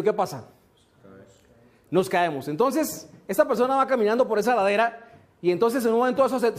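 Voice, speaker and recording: A man giving a motivational seminar talk, slow and emphatic, often asking rhetorical questions. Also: high-pitched. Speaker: motivational speaker.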